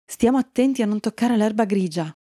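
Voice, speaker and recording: A woman's voice: medium pitch, a little fast, dark tone, no room sound, lightly acted. A woman voicing an earnest, slightly bossy young male unicorn in a storybook, in a light voice close to her own.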